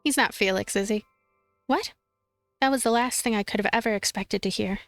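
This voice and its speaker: A woman reading a visual novel aloud as a let's play streamer, expressive and playful, with commentary. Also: mid-range voice, brisk, no echo, studio quality. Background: game music.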